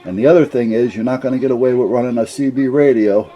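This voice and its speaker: Warm-toned and mid-range, this older CB radio hobbyist talks fast while explaining his gear, and the recording is muffled. His off-the-cuff explanations are plain-spoken, rambling, and folksy.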